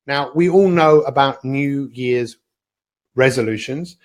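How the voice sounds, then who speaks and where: A man hosting a live motivational broadcast as a life coach, upbeat and chatty with frequent filler words. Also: a little high.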